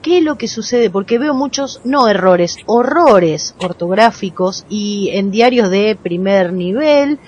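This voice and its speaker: A woman's voice: mid-range voice, animated, measured pace, few pauses, a little mellow, highs cut off, a little hiss or hum. A woman with an Argentine accent interviewing conversationally as a radio host.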